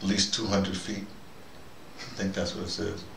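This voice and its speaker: A middle-aged American man giving a rambling, casual monologue to camera, halting and repeating words as he digresses. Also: low voice, little pitch movement, creaky. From North America. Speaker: host of a personal video dispatch. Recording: echoey room, distant mic, noisy background.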